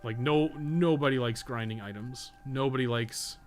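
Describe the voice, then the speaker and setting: A man's voice: medium pitch, moderate pace, music in the background. A man giving casual live gameplay commentary, rambling and thinking aloud with casual swearing. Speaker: game streamer and podcast co-host.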